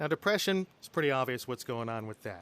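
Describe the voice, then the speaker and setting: A man's lively intonation comes through a dry, close sound with no echo. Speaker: gaming YouTuber. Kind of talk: personal talk about mental health. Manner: animated.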